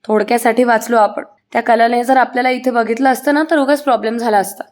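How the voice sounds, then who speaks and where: A woman's voice: a little high, steady tone, quick pace, a little mellow, lightly acted. A woman reading the lines of a nervous young man who grumbles with relief, in her own voice. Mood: relieved grumble. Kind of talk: reading a serial recap aloud.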